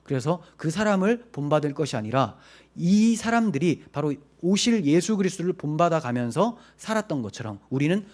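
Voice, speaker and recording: A man's voice: fairly high pitch, a little mellow. A male pastor giving a midweek sermon, explaining Bible verses and asking rhetorical questions before answering them. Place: church.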